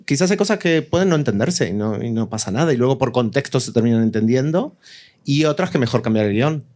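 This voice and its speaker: A man's voice: mid-range voice, expressive, quick pace, a little mellow. A man explaining his views as a writer on a panel, in a reflective, conversational way. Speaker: audio fiction writer, panelist. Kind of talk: casual panel discussion. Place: live panel event with several speakers.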